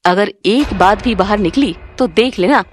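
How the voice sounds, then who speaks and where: A woman voicing a cruel, scolding middle-aged stepmother in an animated story. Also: mid-range voice, moderate pace, slight background noise, natural voice. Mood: threatening. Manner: scolding, sneering.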